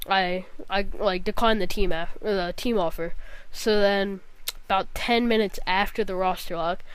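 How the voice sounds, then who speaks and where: A young woman with a cold rambles casually through a gaming vlog, her mid-range voice nasal and congested and her throat scratchy. The sound is smooth, with no echo.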